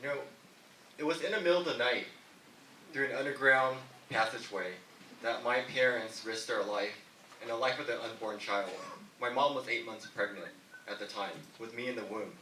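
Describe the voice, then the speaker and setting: Bright-voiced man telling his story. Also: medium pitch, moderate pace, slight background noise. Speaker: mayor, political candidate. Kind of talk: debate answer. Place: debate hall. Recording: echoey hall from far off.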